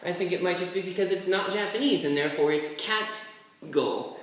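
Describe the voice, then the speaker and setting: The language tutor talks a little fast in a mid-range voice, rambling through a relaxed character-writing lesson with throwaway asides. They sit far from the mic in a very echoey room, and a faint hiss is audible.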